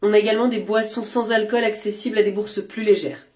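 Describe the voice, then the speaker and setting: A woman's voice: mid-range voice, steady tone, fast, a little mellow, close to an everyday voice. A woman playing a stiff, overly formal restaurant waiter in a comedy sketch. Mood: prim. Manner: prim, formal. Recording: roomy echo.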